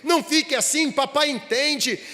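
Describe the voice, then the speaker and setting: An insistent father consoling his son, as a Brazilian preacher acts him out. The voice sits very high and bright, pleading and emphatic. The church hall adds a long reverb. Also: normal speed. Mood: coaxing. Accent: Brazilian Portuguese. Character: proud consoling father of a young boy.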